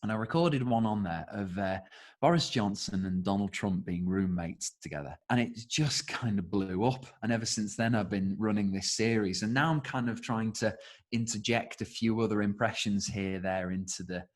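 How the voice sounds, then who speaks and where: A man's voice: on the low side, moderate pace. A British man chatting casually as an interview guest, speaking as a voice actor would about his work.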